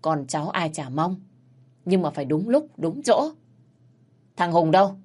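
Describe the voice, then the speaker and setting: A woman's voice: lowish voice, very animated, unhurried, a little mellow. A woman voicing a stern, fair-minded older father-in-law who speaks firmly and reproachfully. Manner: firm, reproachful. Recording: faint music underneath.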